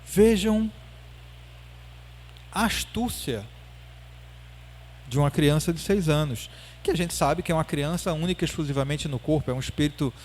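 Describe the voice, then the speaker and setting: A man giving a public spiritist lecture, retelling a story in an animated way and checking in with the audience. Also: a little high, a little fast, a little hiss or hum. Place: spiritist center hall.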